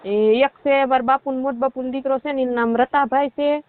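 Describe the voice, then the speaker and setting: A high-pitched, steady, slightly quick female caller with a rural Saurashtra Gujarati accent recounts her marital troubles on a muffled phone call. She rambles colloquially, quoting what others said.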